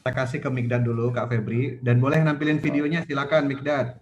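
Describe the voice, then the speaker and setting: A man co-hosting an online event over a video call, calmly telling participants what to do. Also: mid-range voice, a little fast. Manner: short calm directions to participants. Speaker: webinar co-host. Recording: muffled lo-fi video call audio.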